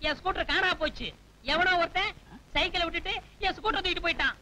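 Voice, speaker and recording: An actor playing a bumbling, forgetful young man in a comic film scene, talking in an excited, whiny voice. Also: extremely high pitch, quick pace, heavily acted. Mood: confused. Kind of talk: 1990s Tamil film comedy.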